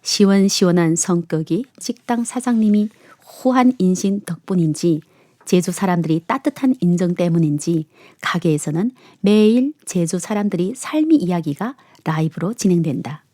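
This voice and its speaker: Bright-voiced woman presenting on radio. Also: fairly low pitch, moderate pace, no echo, studio quality. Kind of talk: letter reading and warm studio chat on radio.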